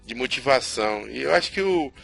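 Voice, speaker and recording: A man's voice: mid-range voice, lively intonation, fairly quick, gravelly, fairly bright tone, faint music behind. A male co-host chatting casually, filling his sentences with "né" and friendly asides. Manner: chatty, with many "né" fillers. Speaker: podcast co-host. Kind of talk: casual podcast chat.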